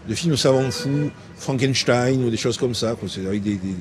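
A man's voice: medium pitch, normal speed, a crowd in the background. An older man from Marseille with a light Marseille accent, rambling in a playfully grandiloquent way while chatting outdoors. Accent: Marseille French, lightly mixed. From Marseille, France. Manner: mock-learned, playfully grandiloquent. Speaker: interviewee passer-by. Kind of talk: rambling philosophical bar chat. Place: outdoors, urban terrace. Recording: outdoor street noise.

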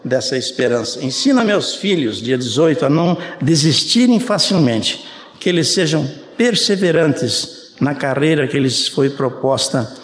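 A man's voice: fairly high pitch, animated, measured pace. An older man from Brazil with a Brazilian Portuguese accent, giving a conversational sermon and often checking in with his listeners. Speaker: preacher. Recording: reverberant hall, faint room ambience.

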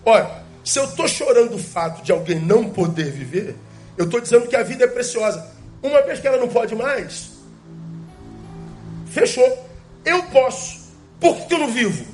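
A man delivers a sermon in a notably high voice. He presses his points with rhetorical questions and slows down to repeat key phrases. Faint music sits low behind him. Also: expressive. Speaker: pastor.

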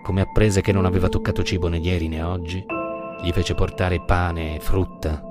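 A man reading a classic novel aloud in a measured, lyrical audiobook style. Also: deep voice, level tone. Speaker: narrator and adapter. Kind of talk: audiobook literary narration. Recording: narration over music.

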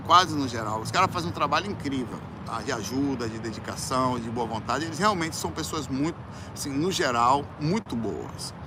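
A man with a Brazilian Portuguese accent, a musician casually telling a personal story, animated and colloquial, acting out quoted voices with loud outbursts. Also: medium pitch, noisy background.

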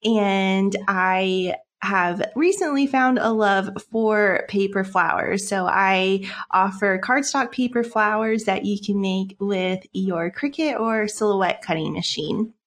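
A woman's voice: medium pitch, slow, hardly any pauses. A woman from Seattle, a podcast guest, talking about her craft business in a friendly, chatty way. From Seattle, United States. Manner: friendly, chatty, with small laughs and restarts. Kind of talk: casual interview answers.

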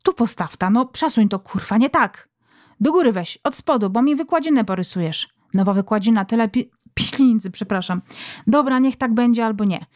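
A woman's voice: fairly high pitch, lively intonation, normal speed, darkish tone, no echo, clean studio sound, lightly acted. A woman voicing a domineering, foul-mouthed middle-aged country mother who scolds her family in rural dialect. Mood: bossy.

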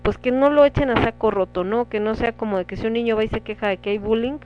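A woman's voice: on the high side, fast. Woman, Mexican Spanish accent, talk show host, casual chat, muffled lo-fi sound, faint background music. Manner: conversational, reads listener comments aloud. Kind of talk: casual opinion talk to listeners.

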